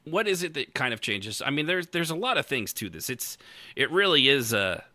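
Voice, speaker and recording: A man's voice: medium pitch, very animated, moderate pace, pushed and bright, no room sound. A man in his late thirties hosting a casual podcast, rambling and joking with irreverent, teasing asides. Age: late 30s. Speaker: podcast host.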